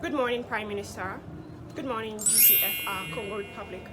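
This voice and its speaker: A woman's voice: mid-range voice, fairly quick, heavy background noise, natural voice. A woman playing a proud young Hausa woman who speaks with a Nigerian Hausa accent and talks in a formal, speech-giving way. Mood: speechifying. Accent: Hausa Nigerian English. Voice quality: formal, speech-giving, then loud laughing banter. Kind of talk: comedy skit acting.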